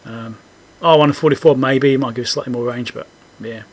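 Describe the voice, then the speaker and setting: A man giving a casual, unscripted technical walkthrough as a repair host, halting as he thinks aloud. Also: mid-range voice.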